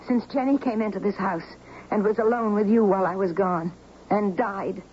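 A woman's voice: medium pitch, normal speed, breathy edge, lightly acted. An actress playing a wounded wife who confronts her husband in an old-time radio drama. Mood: hurt. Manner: hurt, pleading, accusing. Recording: dull lo-fi radio recording with loud music.

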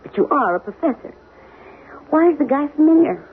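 A woman's voice: high-pitched, lively intonation, fairly quick, a little hiss or hum. An actress playing a chatty, needling middle-aged wife, a brassy former showgirl, in a 1970s radio drama. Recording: dull vintage radio broadcast recording.

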